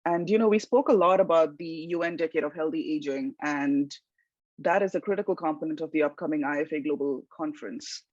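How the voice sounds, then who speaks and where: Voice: mid-range voice, brisk, dry recording. A host moderating an online panel, speaking politely and formally with some fillers. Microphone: video call. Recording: dry, dull video call audio.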